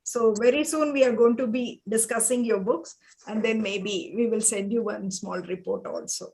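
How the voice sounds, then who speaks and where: A woman's voice: on the high side, steady tone, moderate pace, a little mellow, rough recording. A woman with an Indian accent, a book club organiser giving an informal speech of thanks.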